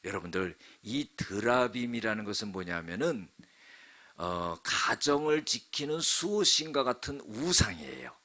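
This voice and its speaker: A man's voice: mid-range voice, lively intonation, measured pace, bright, forceful tone. A male pastor preaching a sermon, telling the story dramatically with frequent asides to the congregation. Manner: dramatic storytelling, acts out quotes.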